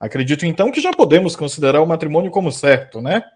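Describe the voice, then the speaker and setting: Man as proud Brazilian suitor king, audio drama. Husky, formal, very lively intonation. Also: a little high, fast. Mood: honored, eager. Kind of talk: comedic audio drama acting.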